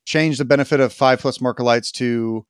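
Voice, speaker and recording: A man co-hosting a casual gaming podcast, talking in an animated, sarcastic way. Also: medium pitch, moderate pace, clear, resonant tone, dry recording, studio quality. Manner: animated, sarcastic, swings loud and quiet. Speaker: podcast co-host.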